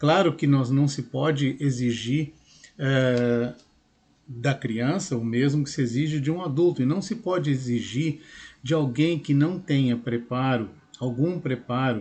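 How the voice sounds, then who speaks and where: A man's somewhat breathy, fairly high voice moves at a fairly slow pace with ordinary pitch variation. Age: 60s. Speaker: drawing teacher and furniture designer. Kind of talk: video lesson monologue. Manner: hesitant, many repetitions and fillers.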